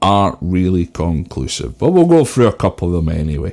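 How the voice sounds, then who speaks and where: A man with a Scottish accent. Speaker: history podcaster. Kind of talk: history podcast narration.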